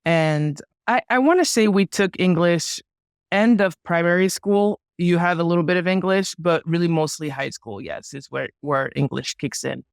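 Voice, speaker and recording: A woman's voice: lowish voice, moderate pace, gravelly, clean tone, dry recording, clean studio sound. A woman in her forties from Montreal whose first language is French, chatting casually and easily as a guest. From Montreal, Canada. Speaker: guest pilot. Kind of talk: casual interview chat.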